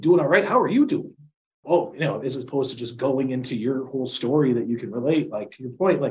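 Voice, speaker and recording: With an American accent, a man talks at a very fast pace in a somewhat breathy voice with lively intonation. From New York. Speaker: real estate broker. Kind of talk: interview. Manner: animated.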